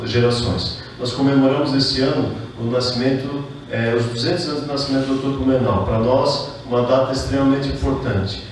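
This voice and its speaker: Standing at a podium in a large, reverberant indoor hall, a middle-aged mayor from southern Brazil speaks earnestly and without hurry, using fillers as he greets the guests one by one by name. His medium-pitched voice carries traces of a German-speaking upbringing. The distant podium mic captures heavy echo and a faint hiss.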